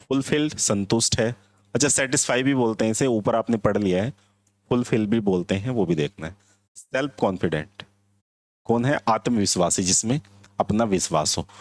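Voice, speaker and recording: Lower-voiced Indian man teaching vocabulary. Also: normal speed, no echo. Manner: explains word by word, mixing simple English phrases into Hindi. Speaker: English teacher. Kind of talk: classroom vocabulary lesson.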